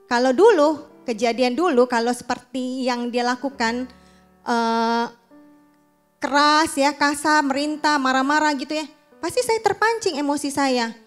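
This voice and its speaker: Woman pastor, middle-aged, high voice, chatty storytelling testimony, faint music behind. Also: unhurried. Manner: chatty storytelling, acts out dialogue. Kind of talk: testimony sermon.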